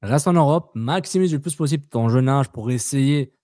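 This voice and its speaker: A man's voice: medium pitch, moderate pace, dark tone, no room sound, studio quality. A man co-hosting a casual soccer podcast, talking bluntly, repeating himself and slipping in English words. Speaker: podcast co-host.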